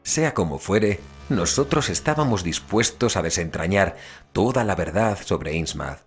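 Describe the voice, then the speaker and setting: A man's voice: low voice, expressive, a little slow, faint music behind. A man playing a grave, haunted investigator, narrating an audio drama in a solemn, literary way. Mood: grave, determined. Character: male investigator recounting dark horrors, grave and haunted.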